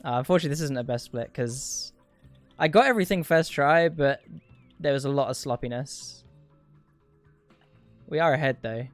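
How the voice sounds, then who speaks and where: A man with a mid-pitched voice chats casually while speedrunning a game on stream. He rambles drily and swears, with music playing faintly behind him. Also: moderate pace, pauses often. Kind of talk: casual livestream gaming commentary.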